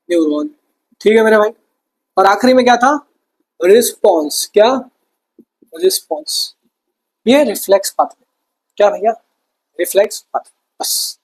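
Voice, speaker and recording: A man's voice: high-pitched, low-quality recording. Young guy teaching science, chatty, keeps saying bhai, repeats terms. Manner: chatty, addresses students as brother, repeats key terms. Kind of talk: exam-prep lesson.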